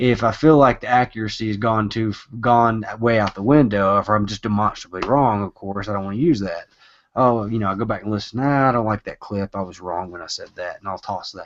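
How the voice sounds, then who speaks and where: A man's mumbling at a fairly quick pace and fairly low pitch, with hardly any pauses, ordinary pitch variation, big swings in loudness and a quiet background. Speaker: atheist YouTuber. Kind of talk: casual chat.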